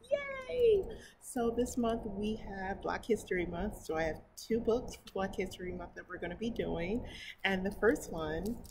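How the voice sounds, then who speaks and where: A middle-aged American woman reads a picture book aloud at a children's storytime, with enthusiastic, chatty asides. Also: medium pitch. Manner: expressive, enthusiastic, exclaiming. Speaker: library storytime reader. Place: indoors in front of a painted mural. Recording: clear steady background noise.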